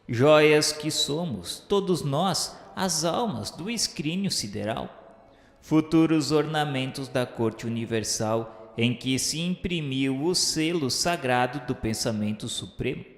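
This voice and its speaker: A Brazilian man delivers solemn, grandiloquent radio drama narration at a medium pitch. His formal, declamatory reading rings with long hall reverb, and music plays behind him. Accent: Brazilian Portuguese. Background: background music.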